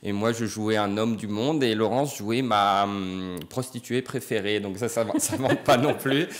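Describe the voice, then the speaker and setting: A man's voice: lowish voice, normal speed. A man from Brittany with an accent mixing Breton and French Caribbean, a comedian and actor chatting casually in an interview, with many fillers and restarts. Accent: mix of Breton and French Caribbean. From Brittany, France.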